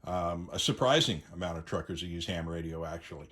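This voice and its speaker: A middle-aged American man giving an unscripted, conversational opinion monologue to viewers, with hesitant phrasing and frequent pauses. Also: sits low, fairly bright tone. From United States. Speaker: YouTube host, amateur radio enthusiast.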